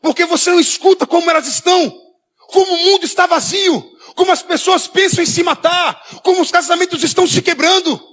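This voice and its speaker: A man with a Brazilian accent preaching a sermon in a church, often shouting and acting out the lines of the people in his story. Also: very high-pitched, a little fast. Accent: Brazilian Portuguese. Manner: shouting preacher, acts out quoted dialogue. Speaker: pastor.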